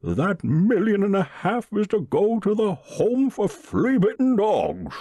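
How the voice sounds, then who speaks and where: A man voicing a solemn, grandiose rich old man in a storybook reading, speaking gravely and pompously with drawn-out words. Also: sits high, huge pitch swings, dark tone, no room sound, clean studio sound, voice pushed up, exaggerated voice. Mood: grave, insistent.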